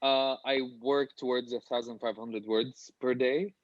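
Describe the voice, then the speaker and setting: A man's voice: medium pitch, fairly even intonation, a little slow, no room sound, muffled recording. A man from Syria speaking informally and candidly as a guest author in a casual interview over a video call from a small home office.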